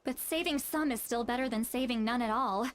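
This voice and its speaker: A woman's voice: a little high, a little fast, a little hiss or hum, lightly acted. A woman playing a blunt, solemn tribal shaman in a video game, explaining with authority over music. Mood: grave. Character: Citlali, blunt, solemn female tribal shaman, knowing and commanding.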